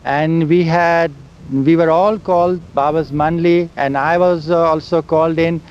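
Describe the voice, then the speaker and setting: An older man, slowly recalling old memories in an oral history interview, with a loud voice. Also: fairly high pitch, steady tone, smooth. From India. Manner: slow, halting storytelling of memories. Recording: dull lo-fi recording with faint hiss and vehicle sounds.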